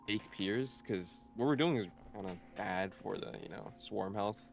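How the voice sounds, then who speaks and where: A man's voice: on the low side, unhurried, creaky, slight background noise. A young man coding on a live stream with a friend, explaining each step in a plain, matter-of-fact way. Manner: matter-of-fact, narrates what he is doing. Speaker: co-developer, stream guest. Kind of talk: casual live coding chat.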